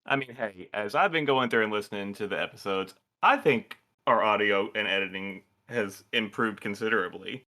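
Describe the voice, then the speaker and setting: A man's voice: fairly low pitch, moderate pace, hardly any pauses, sharp tone. A man from a podcast crew talking in a casual, conversational way. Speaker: podcast crew member and composer. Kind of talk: casual chat.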